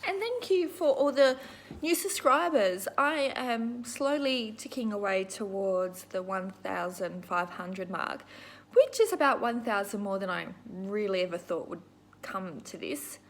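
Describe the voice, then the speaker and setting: A middle-aged Australian woman hosts a crafting video, chatting casually to her viewers in a rambling, informal, self-deprecating way. Her voice is mid-range and her pace unhurried.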